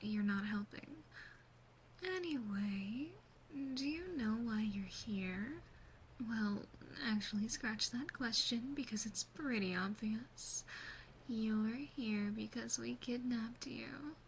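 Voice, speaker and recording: A woman voicing a gentle, doting yandere demon sister in a soft, teasing, mostly whispered ASMR roleplay, close on a binaural microphone. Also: on the high side, slow, a little hiss or hum, low-quality recording.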